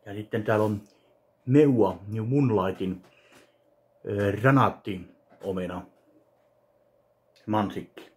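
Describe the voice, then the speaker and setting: A man in his thirties from Finland, casually narrating an unboxing of a fan package in his home kitchen, speaking slowly and haltingly to a webcam. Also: on the low side, darkish tone. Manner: slow, halting, listing items one by one. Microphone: webcam at desk distance.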